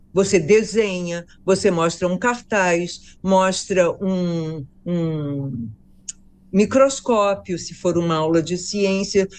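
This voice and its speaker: A woman's voice: mid-range voice, darkish tone. A Brazilian woman researcher answering interview questions about teaching, emphatic and repeating her key points. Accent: Brazilian Portuguese.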